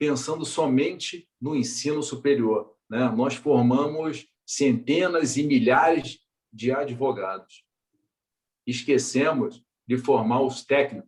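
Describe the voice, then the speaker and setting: A man's very slow delivery, fairly high in pitch, with ordinary pitch variation. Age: 50s. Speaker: guest speaker. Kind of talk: Q&A answer at a club meeting.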